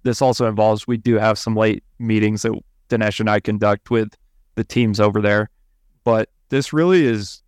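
Low gravelly man from Colorado. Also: dry recording, studio quality. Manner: casual, with fillers like "kinda". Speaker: engineering firm CEO, guest. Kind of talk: interview answers.

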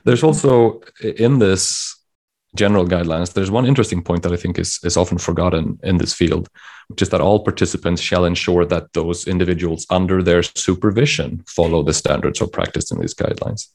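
Deep gravelly-voiced man co-host. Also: darkish tone. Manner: measured, explanatory, reads out guideline text. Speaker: podcast co-host. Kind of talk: casual panel discussion.

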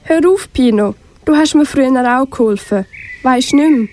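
A teenage girl voicing an eager young swallow in a school radio play, calling out in an urgent, excited way. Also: sits high, moderate pace, close to an everyday voice. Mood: gentle. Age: teens.

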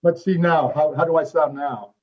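A man's voice: a little high, steady tone, normal speed, slight background noise. A man, an addiction and mental health counselor, talking on a video call while his glitching audio cuts in and out; he rambles with many fillers and restarts. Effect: glitching audio cutting in and out. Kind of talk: remote interview over a video call. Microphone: headset on a video call. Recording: dull lo-fi call audio with dropouts.

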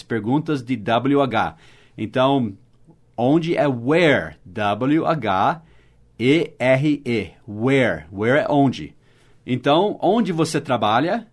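A man with a Brazilian Portuguese accent, teaching a podcast lesson for learners, saying the example phrases slowly and clearly between quick explanations. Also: medium pitch. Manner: slow, exaggerated model phrases in English between quick explanations. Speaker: English teacher.

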